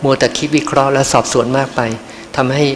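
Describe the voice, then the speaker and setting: A man's voice: mid-range voice, level tone, fast. A man interpreting a dharma talk, speaking politely and ending his phrases with polite particles. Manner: polite, ends phrases with khrap. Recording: long hall reverb, faint noise.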